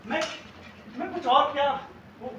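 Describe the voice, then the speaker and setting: A woman's voice: high voice, a little slow, fairly bright tone, highs cut off, a little hiss or hum. A woman playing a shy, awkward young man who stammers while courting, on a theatre stage. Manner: hesitant, stammering. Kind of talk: stage comedy acting. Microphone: distant stage mic. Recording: echoey theatre from far off.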